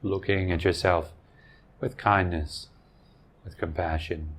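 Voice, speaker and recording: Male meditation teacher, low pitch, gentle delivery, long pauses, guided meditation, ambient background noise. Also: steady tone.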